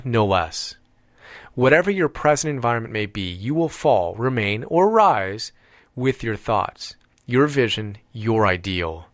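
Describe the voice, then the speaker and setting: A man reading an audiobook as scripted narration, with measured, deliberate phrasing and emphatic pauses. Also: mid-range voice, no room sound.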